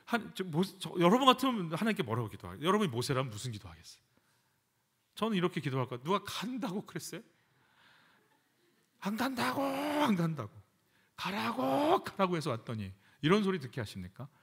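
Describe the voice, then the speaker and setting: A man's voice: a little high, big pitch swings, rapid-fire, a bit bright, slightly rough. A man, a pastor, preaching a sermon in a church, acting out prayers with emphatic repetition. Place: church sanctuary.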